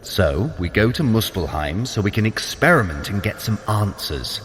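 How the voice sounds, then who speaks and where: Mischief god, sly, sardonic, wildly varied intonation, lowish voice, audio drama. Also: male voice, very animated, normal speed, fairly bright tone. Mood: scheming, concerned. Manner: theatrical, sardonic. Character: sly, scheming god of mischief, younger brother. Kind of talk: scripted audio drama acting for a fitness app.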